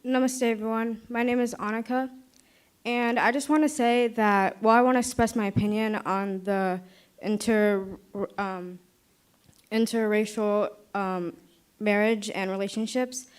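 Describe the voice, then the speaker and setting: A woman's voice: on the high side, fairly even intonation, a little slow, clear, resonant tone. A young woman, a student, earnestly giving her opinion at a youth dialogue in repetitive, searching phrases.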